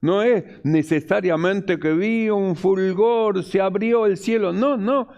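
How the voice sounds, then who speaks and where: A man's voice: high voice, slow pace, darkish tone, muffled recording. A male pastor, preaching a sermon emphatically and repeating his key phrases.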